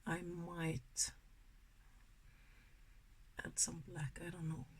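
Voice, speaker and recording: A beauty vlogger from Sweden, in her sixties, talks in a chatty, rambling, soft-spoken manner with a Swedish accent while doing her makeup. Her fairly low voice is completely flat and draws out its words, and slight background noise is present.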